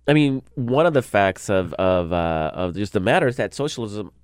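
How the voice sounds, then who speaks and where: A man from El Salvador, a political blogger, talks earnestly with a smooth, resonant voice in a casual discussion. His voice sits a little low, and the dry recording keeps it close. He restarts and repeats words as he works through his points. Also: animated, moderate pace, no echo.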